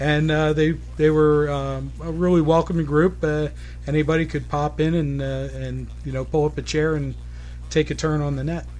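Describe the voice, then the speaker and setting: Noticeable background noise is present. The speech moves at a moderate pace. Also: man. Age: 40s. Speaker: radio amateur. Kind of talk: casual chat. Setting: home radio shack.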